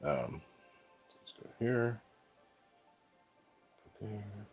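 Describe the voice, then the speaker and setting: A hoarse man chatting casually on a live stream while unboxing, rambling with lots of ums and talking to his viewers. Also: on the low side, very slow, dull audio, faint music behind. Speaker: hobby channel host.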